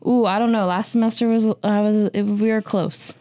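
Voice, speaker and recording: Young woman, chatty college radio co-host, quick to laugh. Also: medium pitch, fairly even intonation, dark tone. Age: young adult. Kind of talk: college radio talk show.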